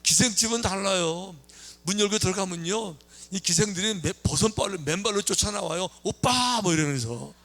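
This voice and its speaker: A man preaching a sermon as a pastor, telling stories in a lively way, acting out the characters' lines and tossing questions at the congregation. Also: high-pitched, brisk, gravelly. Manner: lively storytelling, acting out quoted lines, chatty asides to the congregation. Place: church sanctuary.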